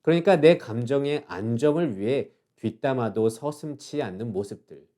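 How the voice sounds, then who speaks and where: Male pastor, middle-aged, mellow tone; calm, measured devotional delivery with soft endings. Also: mid-range voice. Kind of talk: short devotional sermon.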